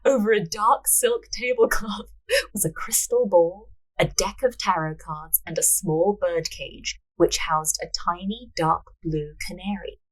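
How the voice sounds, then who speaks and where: A woman's voice: lowish voice, unhurried, low-quality recording. A woman hosting a story podcast, moving between narration and casual banter. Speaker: podcast host, writer and narrator.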